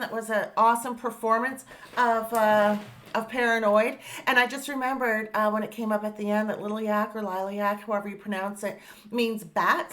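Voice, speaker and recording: A woman's voice: fairly high pitch, a bit bright. Chatty woman reacting to music. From Canada. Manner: chatty, upbeat, many fillers, blows kisses to viewers. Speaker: reaction video host. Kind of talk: casual reaction commentary.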